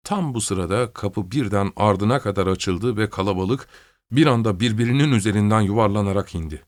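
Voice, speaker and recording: A man narrating an audiobook in a measured, even storytelling manner. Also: fairly low pitch, no echo.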